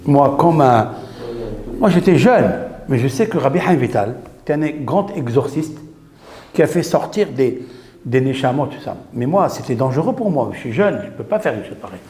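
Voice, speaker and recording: A man, a rabbi, recounting a story in an animated teaching style, mixing in Hebrew terms. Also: mid-range voice, moderate pace. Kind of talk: storytelling Torah lesson. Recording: echoey room with faint noise.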